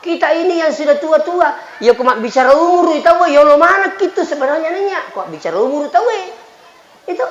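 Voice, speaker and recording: A man's voice: very high-pitched, animated, quick pace, a bit bright. A man in his forties with a Bugis accent preaching a humorous, folksy Muslim sermon, bantering and repeating phrases to his listeners. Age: 40s. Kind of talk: humorous sermon mixing two languages. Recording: echoey, dull PA sound with crowd noise. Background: crowd murmur and light noise.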